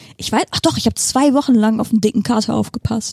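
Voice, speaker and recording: This woman's voice sits fairly high and is somewhat breathy. The recording is very clean with a silent background, and the sound is dry and close with no echo. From Rhineland, near Mönchengladbach/Düsseldorf. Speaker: podcast co-host. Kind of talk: casual chat.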